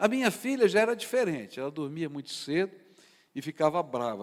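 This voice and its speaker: Very wide pitch swings mark this man's fairly high voice, delivered at a moderate pace. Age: 60s. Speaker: pastor. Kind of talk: sermon. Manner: conversational.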